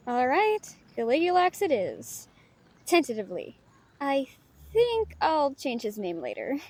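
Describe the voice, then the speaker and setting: A woman's voice: high voice, very animated, slow pace, pauses often, a little mellow, exaggerated voice. A woman playing a playful, self-doubting young novelist, chatty and teasing, in an intimate audio roleplay addressed to a friend. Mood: playful, grateful.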